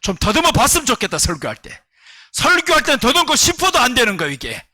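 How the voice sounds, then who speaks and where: Lively, bright-voiced man preaching. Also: fast, no echo. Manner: animated storytelling, shifts between shouting and low asides. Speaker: pastor. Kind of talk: sermon. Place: church.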